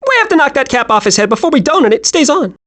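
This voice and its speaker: A hyperactive young male cartoon squirrel for a video game. His voice sits very high and swings wildly up and down. He is childlike, naive and scatterbrained, always eager and cheerful. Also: very animated, fast, pushed and bright, exaggerated voice. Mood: chirpy, naive. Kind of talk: animated video game voice acting.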